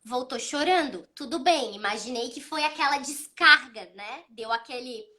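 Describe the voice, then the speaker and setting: A woman in her thirties, hosting a child psychology talk, explaining calmly and telling stories about her son with acted-out dialogue. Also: high voice, moderate pace. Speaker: child psychology channel host. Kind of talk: casual advice talk.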